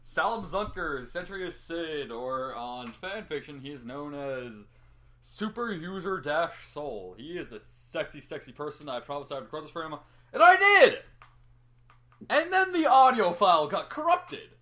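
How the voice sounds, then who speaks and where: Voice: mid-range voice, expressive, moderate pace, sharp tone. A teasing, exclamatory host chatting casually and breaking off into asides during an amateur reading.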